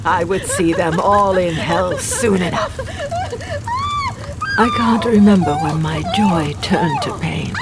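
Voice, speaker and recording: A woman's voice: fairly low pitch, heavy background noise, full character voice. A woman playing a vengeful condemned witch in a horror audio drama, telling her tale in a theatrical, brooding manner. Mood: anguished. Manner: slow, theatrical, brooding storytelling.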